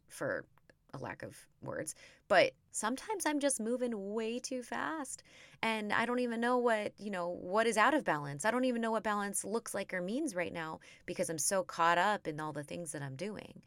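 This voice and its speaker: A woman in her thirties hosting a podcast, chatting upbeat and encouraging, her voice slightly raspy from being sick. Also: fairly low pitch, a bit bright, no room sound, clean studio sound. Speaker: podcast host. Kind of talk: casual chat.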